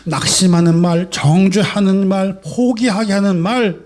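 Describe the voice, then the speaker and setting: A male pastor preaching a sermon, asking rhetorical questions and swinging between soft and loud emphasis. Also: high-pitched, steady tone, unhurried. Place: church sanctuary.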